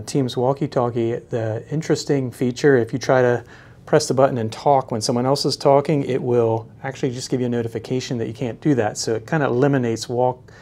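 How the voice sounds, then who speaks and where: A man giving a casual, unscripted product demonstration in a hesitant, halting way, often searching for words. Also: mid-range voice, dark tone. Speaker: product reviewer.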